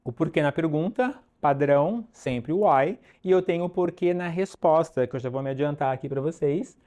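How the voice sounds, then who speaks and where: A man teaching an online English lesson, drilling pronunciation slowly and checking in with "ok?" often. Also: on the high side, mellow.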